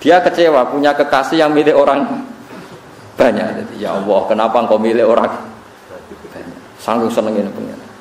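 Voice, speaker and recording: A man's voice: medium pitch, normal speed, darkish tone. A man from Central Java with a Javanese accent, teaching Quran commentary as a cleric, telling stories animatedly with chuckling asides. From Central Java, Indonesia. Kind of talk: religious study lecture. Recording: roomy, distant recording with faint hum.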